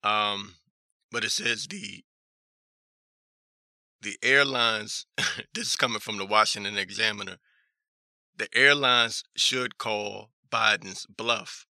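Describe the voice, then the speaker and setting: Hoarse, gravelly man hosting talk. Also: lowish voice, sharp tone, no room sound, studio quality. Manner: halting, repeats phrases, skeptical. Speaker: talk show host. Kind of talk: casual news commentary, reading articles aloud.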